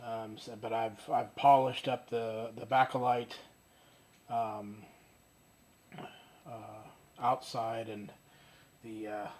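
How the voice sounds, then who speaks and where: A man casually showing his old radio at home, talking haltingly with lots of fillers and restarts. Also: medium pitch. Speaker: radio collector demonstrating his radio. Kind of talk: casual show-and-tell. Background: faint music from the radio.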